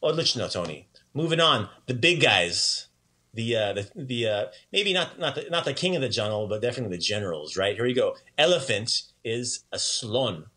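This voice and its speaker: A man teaching a casual language lesson in an upbeat, chatty way, repeating words slowly for learners. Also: mid-range voice, lively intonation, sharp tone.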